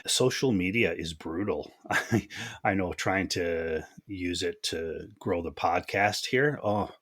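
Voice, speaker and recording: Slow and deep, yet fairly bright in tone, this man's voice belongs to a podcast host. He keeps the casual interview relaxed and chatty, asking questions and laughing along.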